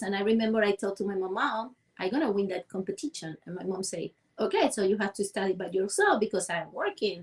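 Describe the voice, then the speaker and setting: A woman speaks with a Cuban accent at a fairly quick pace. Her pitch is fairly high, with ordinary variation. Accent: Cuban Spanish accent (small-town Cuban). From Cuba, rural Villa Clara (Manicaragua). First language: Spanish. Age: 40s. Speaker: dance and movement coach. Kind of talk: interview. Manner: halting, with frequent repetitions.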